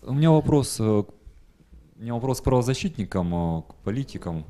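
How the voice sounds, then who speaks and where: A man in the audience putting an insistent, halting question into a handheld mic. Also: mid-range voice, animated, mellow. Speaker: audience member asking a question. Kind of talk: question from the floor.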